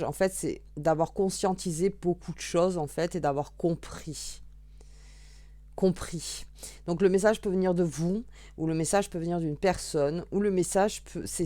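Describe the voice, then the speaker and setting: Her voice on the low side and a little mellow, a tarot reader shuffles and draws cards through a casual, conversational reading, thinking aloud with fillers and restarts. There is no room sound.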